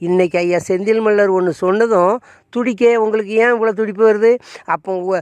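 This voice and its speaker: A man's high-pitched voice comes through a dry, close sound with no echo. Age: 60s. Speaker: community activist. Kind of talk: protest statement. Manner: forceful, animated.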